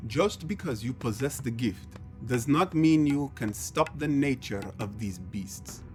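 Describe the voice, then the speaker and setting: A man's voice: medium pitch, lively intonation, measured pace, lightly acted. A man voicing a cautious, skeptical alien statesman in a sci-fi audio drama, formal and grave, with music behind. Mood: grave, cautioning.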